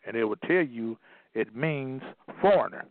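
A man's voice: medium pitch, expressive, moderate pace, no echo. Man lecturing over a tinny phone line. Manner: emphatic, repeats phrases for stress. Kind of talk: emphatic lecture, partly read aloud.

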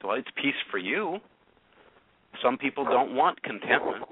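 A man's voice: mid-range voice, expressive, unhurried, breathy edge. A man hosting a call-in radio show. He coaches a caller with probing, challenging questions and often repeats words as he presses a point. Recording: narrow, phone-like radio sound.

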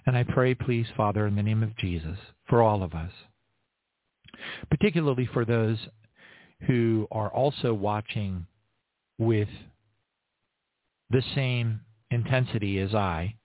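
A man leading a spontaneous spoken prayer, earnest and halting, with frequent restarts. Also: lowish voice, dry recording. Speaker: prayer leader. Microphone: online stream. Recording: tinny phone-like line, dry.

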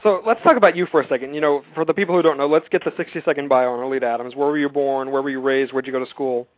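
Chatty fast guy hosting, kinda high voice, dry phone sound. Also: steady tone, no echo, narrow, tinny audio. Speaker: host. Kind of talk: interview questions, casual chat.

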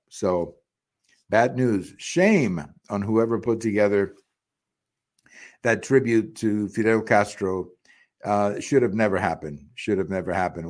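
A man's voice: lowish voice, a little mellow. A middle-aged man from Cuba giving a solo political commentary, indignant and repetitive, with frequent fillers and restarts. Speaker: podcast commentator.

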